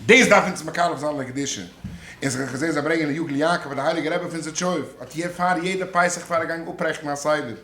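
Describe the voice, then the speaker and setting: A man with a high voice and a Hasidic Yiddish accent preaches an impassioned Yiddish sermon, his delivery swinging up into loud, emphatic peaks. He is heard in an echoey room. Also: fairly quick, a little hiss or hum. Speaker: rabbi giving a Torah talk.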